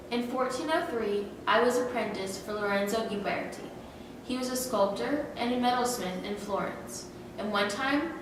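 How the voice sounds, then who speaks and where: A woman's voice: mid-range voice, close to an everyday voice. A woman playing a proud Renaissance sculptor. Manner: plain conversational storytelling, self-assured. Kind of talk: amateur historical skit. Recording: echoey hall from far off, noisy.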